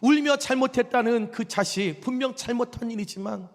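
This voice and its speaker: Male pastor, sermon, emphatic conversational preaching, very high voice, echoing sanctuary. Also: moderate pace. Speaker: senior pastor. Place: church sanctuary.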